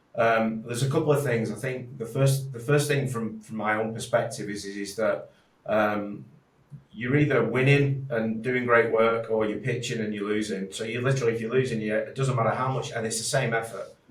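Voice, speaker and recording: Medium-pitched male voice, fairly quick, with fairly even intonation and noticeable background noise. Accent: strong Manchester. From Manchester, northern England. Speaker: advertising agency founder. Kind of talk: podcast interview. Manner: fast.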